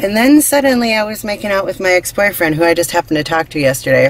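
With lively intonation, a woman speaks over light background noise in a dry sound with no echo. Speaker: vlogger. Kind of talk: casual vlog chat. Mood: amused, chatty storytelling. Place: car. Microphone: phone near.

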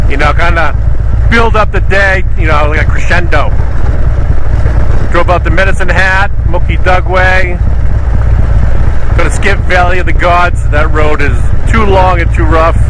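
Long, frequent pauses in a dry sound with no echo, over noticeable background noise. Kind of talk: casual vlog chat. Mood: relaxed, joking. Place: motorbike. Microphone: helmet.

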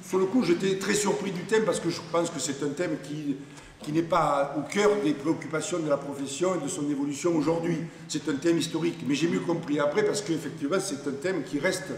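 Light background noise and audible room echo come through as a man talks. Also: ordinary pitch variation, fairly quick pace. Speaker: speaker. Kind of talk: lecture. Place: classroom. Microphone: podium.

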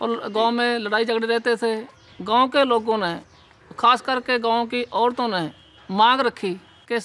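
Projecting his raised voice, a man with an extremely high pitch and a bright, sharp tone keeps his intonation fairly even. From Punjab. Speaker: village head. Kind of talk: interview.

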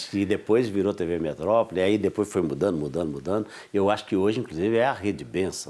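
A very fast-talking man with a dark, mellow tone, fairly low pitch and ordinary pitch variation. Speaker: TV talk-show host, pastor. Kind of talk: TV talk-show host interview questions. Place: studio. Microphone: lapel.

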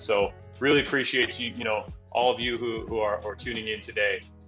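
With faint music in the background, a man speaks at a fairly quick pace using fairly even intonation. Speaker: program lead hosting a webinar. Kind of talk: welcome remarks. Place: office. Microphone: earbuds.

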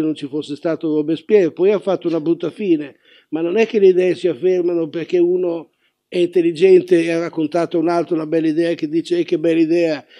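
Against a quiet background, a man speaks at a very fast pace in a high, dark, mellow voice with fairly even intonation. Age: 70s. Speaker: cultural policy speaker at book fair; speaker. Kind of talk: panel talk; panel discussion talk. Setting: book fair presentation. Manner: halting. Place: hall. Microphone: podium.

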